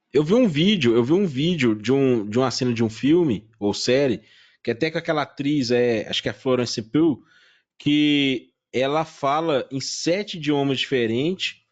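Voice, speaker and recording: A man with a Brazilian Portuguese accent hosting a podcast interview, eagerly retelling stories in casual chat. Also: mid-range voice. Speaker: podcast host. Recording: dull lo-fi sound.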